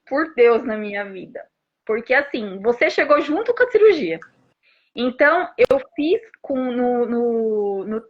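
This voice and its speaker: A mother in her thirties giving an emotional testimony about her son, talking in animated bursts with restarts. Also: sits high. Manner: animated storytelling with frequent restarts and rapid asides. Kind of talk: emotional personal testimony on a live stream. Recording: dull lo-fi stream audio.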